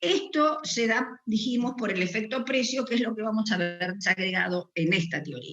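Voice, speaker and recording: Lively intonation and a moderate pace in a plain, everyday voice. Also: woman. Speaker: university lecturer. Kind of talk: lecture.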